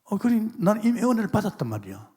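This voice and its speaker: Middle-aged male pastor, husky voice, sermon with testimony, emphatic swings to hushed asides, big reverberant church hall. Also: high voice, big pitch swings, racing. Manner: emphatic preaching with sudden loud exclamations and hushed asides; testimony storytelling, acts out quoted voices. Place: large church sanctuary.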